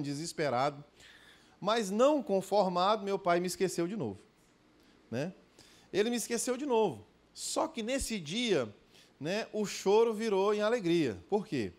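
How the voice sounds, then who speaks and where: A man preaching a sermon at a church conference, telling stories animatedly and calling out to the congregation with frequent tag questions. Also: on the high side. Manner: addresses the congregation directly.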